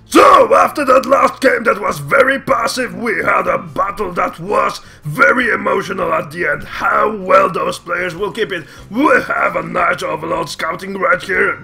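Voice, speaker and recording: A man putting on a loud, theatrical male Viking caster voice for game commentary, shouting and drawing out his words. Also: high-pitched, gravelly, faint music behind, full character voice. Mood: bellowing. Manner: shouted, drawn-out hype delivery.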